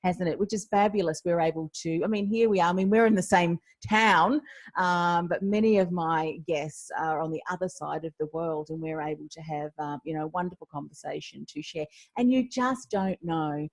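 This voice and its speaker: A woman's voice: fairly low pitch, normal speed. A woman from Australia hosting an interview podcast, encouraging her guest and leading a short prayer. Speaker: podcast host.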